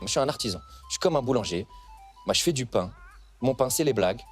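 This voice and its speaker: Medium-pitched male voice with lively intonation, music in the background. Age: 20s. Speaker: stand-up comedian. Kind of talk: interview answer.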